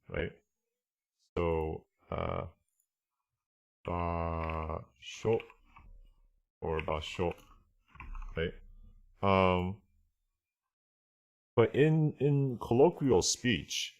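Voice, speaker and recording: A man with a low-pitched voice teaches a casual online language class. He explains and translates while thinking aloud, often pausing to check that everyone follows.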